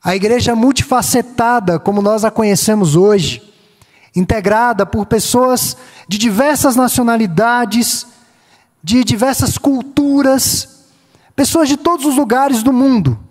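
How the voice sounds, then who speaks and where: A Brazilian pastor with a Minas Gerais lilt delivers a sermon in a high, ringing tenor. He builds slow lists of phrases and lifts his voice on the words he wants to stress. The sound carries a long tail of reverb from a large church hall. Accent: Brazilian Portuguese, Minas Gerais. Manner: measured preaching, lists in slow cadence, rising emphasis on key phrases.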